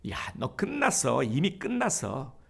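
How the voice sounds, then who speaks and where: A man voicing a scornful devil who jeers and belittles in a hushed, low voice. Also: huge pitch swings, measured pace, creaky, slightly rough, exaggerated voice. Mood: taunting. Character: taunting accusing devil, sneering and scornful.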